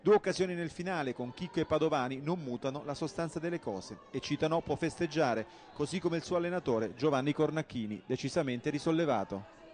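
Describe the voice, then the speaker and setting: A man narrating a football match report in a brisk, emphatic scripted voice-over. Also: on the high side, darkish tone. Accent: Italian. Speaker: sports reporter.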